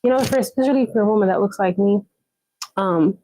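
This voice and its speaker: A woman's voice: medium pitch, fast talker, mellow, low-quality recording. A woman from Jamaica, hosting a casual motivational live chat, encouraging her viewers and often repeating herself to check in with them. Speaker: live stream host.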